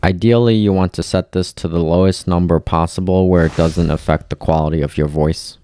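A man narrating a step-by-step software tutorial as presenter, instructing clearly and methodically into a close mic. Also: low voice, steady tone, fairly quick.

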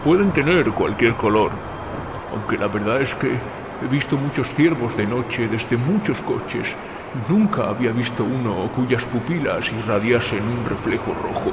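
An actor playing a grave, steady small-town local man in an audio drama, speaking in a measured, ominous storyteller's way. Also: mid-range voice, background noise, lightly acted. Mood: steady, sober.

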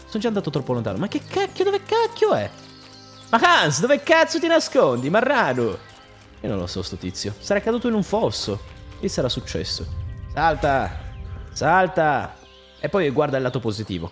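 A man giving excitable, jokey running commentary while playing a video game. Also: mid-range voice. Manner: excitable, jokey, shouts at enemies in combat. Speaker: gameplay streamer. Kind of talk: casual let's play commentary.

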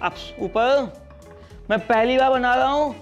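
A man's voice: extremely high pitch, measured pace, highs cut off, soft background music. A young man chatting casually while he reviews and demonstrates a hand-press juicer in a small studio, speaking into a lapel mic. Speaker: product reviewer. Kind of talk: casual product review vlog. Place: small indoor studio set with striped backdrop.

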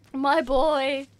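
A woman streaming a video game, excitable, often yelping and laughing as she comments on her play. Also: high-pitched, dry recording. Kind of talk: live gaming commentary.

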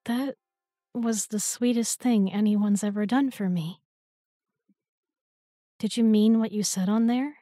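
A woman's voice: medium pitch, measured pace, pauses often, warm tone, no echo, clean studio sound, close to an everyday voice. A young woman playing an affectionate, teasing new girlfriend in an intimate roleplay audio, with a playful, tender, coaxing manner.

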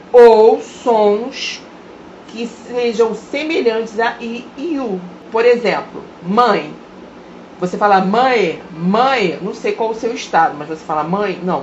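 A woman teaching a grammar lesson, sounding out example words slowly and deliberately. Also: mid-range voice. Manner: slow, drawn-out pronunciation of example words. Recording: roomy, dull lo-fi recording with faint hiss.

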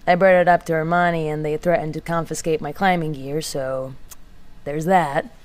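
A sardonic rebel engineer played by a woman logs an audio drama diary in a low voice. She sounds matter-of-fact and defiant, weary of injustice. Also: steady tone, moderate pace, a little hiss or hum, natural voice. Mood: sardonic, fed up. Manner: dry, sarcastic, matter-of-fact.

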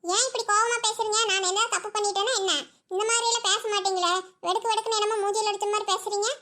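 A woman's voice: very high voice, steady tone, fast talker, sharp tone. A woman voicing a chatty young village wife in a cartoon, with a Kongu Tamil accent and a sing-song, pleading way of talking. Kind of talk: cartoon voice acting.

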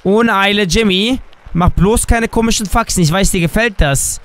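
A young man with a cold and a dry voice, giving energetic, jokey let's-play commentary as a gaming YouTuber. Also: high-pitched, no echo. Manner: excitable, jokey, switches between shouts and drawn-out slow words.

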